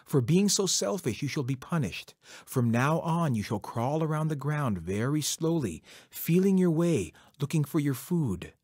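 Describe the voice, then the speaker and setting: A man plays a vain trickster coyote from a told folktale. He pleads and schemes in a high, slightly husky whine. His pitch leaps about as he stammers and wheedles. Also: big pitch swings, unhurried, few pauses, a little mellow, dry recording, studio quality. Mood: stern.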